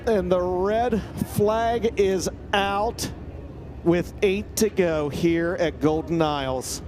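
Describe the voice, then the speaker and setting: A man's voice: sits high, slow, music in the background. A man giving emphatic, exclamatory live race commentary as a motorsport commentator at an outdoor track. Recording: engine noise behind the voice. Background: race car engines outdoors.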